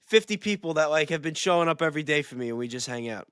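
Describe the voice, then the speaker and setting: A man hosting a casual livestream chat, talking excitedly and repeating phrases for emphasis. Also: fairly high pitch, quick pace, clear, resonant tone, dry recording, studio quality. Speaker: livestream host with a small channel.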